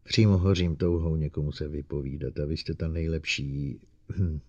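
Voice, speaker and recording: A man's voice: rumbling low, fairly even intonation, darkish tone, no echo, dull audio, pitched below the performer's own voice. A man voicing a friendly, somewhat shy young male engineer who talks eagerly and confides. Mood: chatty.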